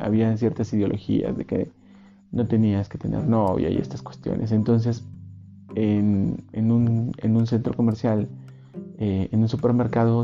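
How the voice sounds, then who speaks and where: A man, telling a personal testimony in an earnest, rambling, reflective way. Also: lowish voice. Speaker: storyteller. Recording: dull recording with faint guitar music.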